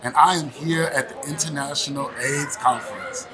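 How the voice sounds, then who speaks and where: A man from Texas, a nonprofit founder and director, speaking with excited pride in a conference testimonial. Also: a little high, moderate pace, rough recording. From Houston, Texas. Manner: excited, proud, emphatic. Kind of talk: short testimonial interview. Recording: crowd chatter behind.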